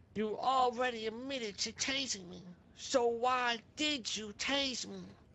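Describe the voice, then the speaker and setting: Using a put-on character voice, a man speaks at a fairly slow pace in an extremely high pitch. His voice is raised and projected, with big swings in loudness. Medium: game stream. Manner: broken English, blunt.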